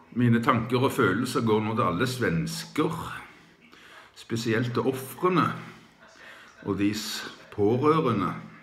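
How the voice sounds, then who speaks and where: A man talks at a fairly slow pace with long, frequent pauses, and audible room echo surrounds his voice. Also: ordinary pitch variation. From Norway. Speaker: video blogger. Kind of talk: casual monologue. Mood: serious, indignant. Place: home room. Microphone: phone near.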